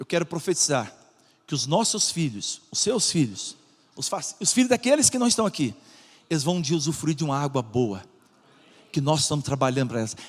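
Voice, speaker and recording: An animated man talks at a fairly quick pace and fairly high pitch, somewhat breathy, with very wide pitch swings and long, frequent pauses. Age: 60s. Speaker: pastor. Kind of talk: sermon.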